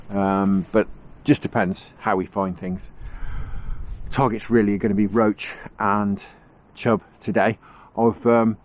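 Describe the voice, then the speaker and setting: A man with a cold, sounding nasal and bunged up, chatting casually outdoors on a riverbank as he films his own fishing trip, rambling and chuckling as he goes. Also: on the low side. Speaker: angling vlogger. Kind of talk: casual on-the-spot commentary. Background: faint wind noise.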